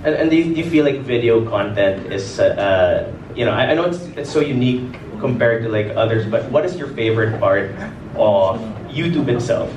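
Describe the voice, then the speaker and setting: A man moderates a live panel, chatty and restarting his questions midway. His voice rings through a large echoing hall over steady room noise. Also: medium pitch, moderate pace, muffled recording. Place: event hall with audience. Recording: echoey hall from far off.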